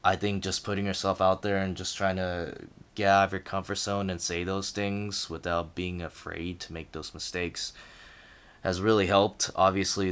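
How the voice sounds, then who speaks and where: Very deep-voiced man, clear and smooth. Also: fairly bright tone. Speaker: language learner sharing progress. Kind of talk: casual reflective talk to camera.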